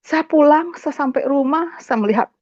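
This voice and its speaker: A woman's voice: high voice, moderate pace, a little mellow, no echo, muffled recording. A woman from West Java giving an emotional personal testimony, speaking directly to her audience and mixing in English words. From West Java, Indonesia. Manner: tearful, impassioned storytelling, addresses the audience directly.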